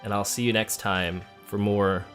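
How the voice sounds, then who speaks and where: Low-voiced man doing casual game commentary. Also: fairly even intonation, moderate pace. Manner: thinks aloud, conversational. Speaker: let's play host. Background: game music.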